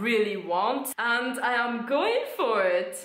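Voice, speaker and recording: There's audible room echo and noticeable background noise as a woman speaks. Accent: French. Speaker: vlogger. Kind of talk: casual chat. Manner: animated.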